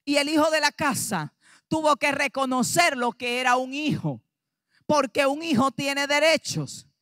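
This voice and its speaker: A woman pastor with a Dominican Spanish accent preaching an animated sermon, acting out dialogue and rising to shouts. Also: high-pitched, measured pace, no echo, studio quality. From Dominican Republic.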